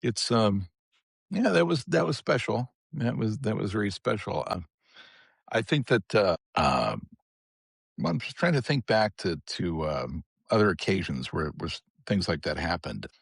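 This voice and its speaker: A man's voice: on the low side, very animated, measured pace, vocal fry, husky, dry recording, studio quality. A man guest on a podcast, telling stories in a rambling way with many restarts. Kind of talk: casual storytelling chat.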